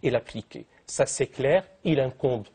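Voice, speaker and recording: A man's voice: medium pitch, a little slow, mellow, husky. A man speaking as a guest in a televised debate, eloquent and fond of long, elaborate phrasing. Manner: eloquent, elaborate vocabulary, piles up synonyms.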